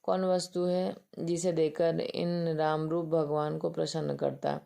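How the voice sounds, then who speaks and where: A woman voicing a gentle male wandering ascetic beggar in a read-aloud story, speaking tenderly. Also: low-pitched, flat delivery, measured pace, creaky, full character voice.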